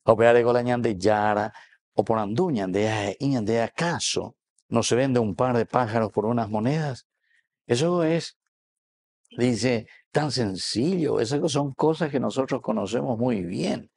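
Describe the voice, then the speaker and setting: A man in his fifties with a Paraguayan accent preaches as a Catholic priest, giving a sermon with a scripture reading. His mid-range voice is unhurried, husky and darkish, with vocal fry. He speaks in a small wood-panelled chapel, picked up on a lapel mic.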